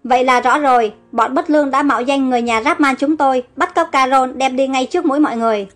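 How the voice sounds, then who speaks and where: A stern young businessman, voiced by a woman narrator speaks with worried reproach in an audio storybook. The voice is high. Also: quick pace, soft background music, lightly acted.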